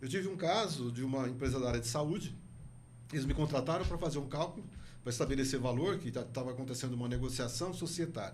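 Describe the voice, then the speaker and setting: Talking at a very fast pace, a man shows ordinary pitch variation amid audible room echo. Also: medium pitch for a man. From Brazil, São José do Rio Preto (interior of São Paulo state). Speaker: business consultant and professor. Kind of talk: podcast interview. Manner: halting, repeats words.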